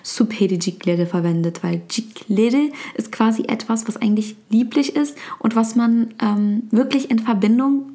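A woman's voice: on the high side, normal speed, few pauses, mellow. A young woman whose first language is Turkish, talking casually about a book with many fillers and restarts.

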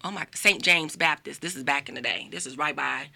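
A woman with a raspy voice, a Christian comedian telling church stories in casual chat. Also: low-pitched, fairly quick. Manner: animated, breaks into laughter, mimics preachers.

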